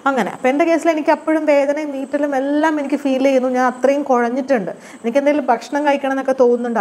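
A young Malayali woman tells her birth story as a casual vlog, her voice high and her words rushing out quickly. She talks in a chatty, unscripted way and keeps acting out little bits of dialogue between herself and the nurses. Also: a little mellow. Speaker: vlogger telling her childbirth story.

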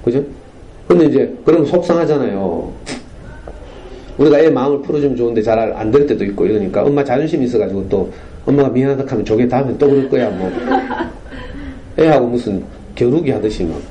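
경상도 억양의 중년 남성이 학교 강당에서 학부모들에게 청중에게 질문을 던지며 생생하게 이야기를 풀어내는 강연을 합니다. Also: male voice, medium pitch, fast talker, slight background noise, low-quality recording. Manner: animated storytelling, rhetorical questions to the audience. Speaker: parenting lecturer. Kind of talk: lively lecture to parents. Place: school lecture hall.

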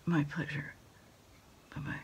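Whispering American woman, slow and crackly. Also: highs cut off. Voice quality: breathy whisper with fry. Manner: quiet, halting, unhurried, polite. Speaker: ASMR performer playing a takeout order taker. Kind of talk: whispered ASMR roleplay of a phone call. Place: small dim indoor desk space.

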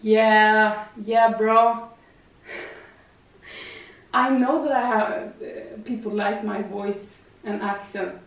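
A woman's voice: mid-range voice, steady tone, very slow, long pauses. A young woman with a foreign accent chatting casually in a rambling way, full of fillers and tag questions, while doing yoga in her living room. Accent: non-native English, lives in Sweden. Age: young adult. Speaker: vlogger. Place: living room with slanted ceiling, indoors. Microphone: far camera. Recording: roomy, distant, dull camera audio.

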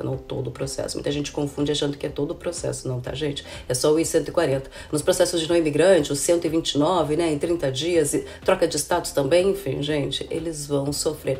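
A woman in her thirties with a hoarse, cold-roughened voice, talking casually to camera as a channel host and explaining things in a chatty way to her viewers. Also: deep voice, a little mellow. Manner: chatty, addresses viewers as "gente", frequent "né?" and "viu?". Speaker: immigration consultant and channel host. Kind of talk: casual informative vlog to camera. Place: indoor room with window blinds. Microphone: camera at close range.

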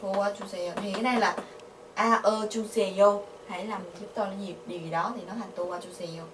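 A woman's voice: mid-range voice, fairly even intonation. Vietnamese-accented woman, patient grammar teacher, roomy distant sound with faint hiss. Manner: patient, asks the class questions, repeats syllables slowly. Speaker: Korean language teacher. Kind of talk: explaining grammar. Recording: echoey, from a distance, faint noise.

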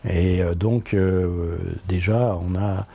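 Man, 60s, native French speaker, interview guest; low, dark, husky tone; reflective, hesitant delivery. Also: steady tone, a little hiss or hum. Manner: thoughtful, halting, frequent repetitions and hesitations. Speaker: interviewee, philosopher and translator. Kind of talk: conversational interview. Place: book-lined office, indoors.

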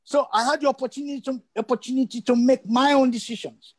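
Speaking fast in a very high-pitched, steady voice, an older Sierra Leonean man is interviewed over a video call from a room in his home. He presses his points emphatically and repeats phrases for emphasis.

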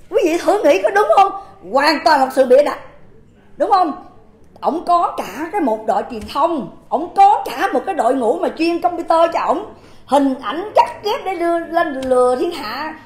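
A woman's voice: sits high, a little mellow. A woman with a Southern Vietnamese accent giving an impassioned livestream monologue, indignant and emphatic, firing rhetorical questions at her viewers. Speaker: livestream host. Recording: roomy echoing room.

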